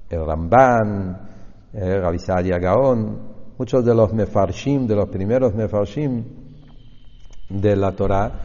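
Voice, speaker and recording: A man's voice: on the low side, mellow. A man teaches a Torah lesson, asking questions and then answering them himself. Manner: explanatory, asks and answers his own questions. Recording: dull lo-fi recording in a reverberant hall.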